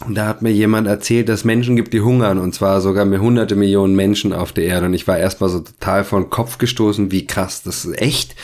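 A low-voiced man from Berlin talks as an interview guest. His delivery is reflective and unhurried, and he often pauses to search for words. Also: a little mellow. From Berlin, Germany. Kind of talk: casual conversational storytelling.

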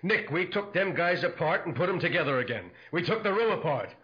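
Actor as high-pitched slangy radio cop, lo-fi. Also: male voice, expressive, fairly quick, lightly acted. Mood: exasperated. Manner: slangy, blunt, folksy tough-guy talk. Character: plain-spoken, streetwise police detective, slangy sidekick. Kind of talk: 1940s radio crime drama acting. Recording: dull lo-fi 1940s radio recording.

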